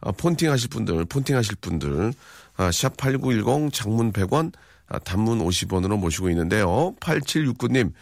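A man's voice: lowish voice, expressive, vocal fry, dry recording, studio quality. Joking male radio DJ. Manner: joking mock-stern warnings, quick asides. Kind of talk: live radio show hosting. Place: radio studio.

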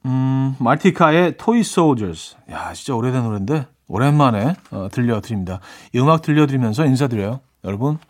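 A middle-aged man hosts a radio music request show in an easy, chatty tone. He reads out listener messages, jokes about them and introduces songs in a relaxed, conversational way. His voice sits in an ordinary middle range. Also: medium pitch, moderate pace, few pauses. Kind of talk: casual radio show hosting.

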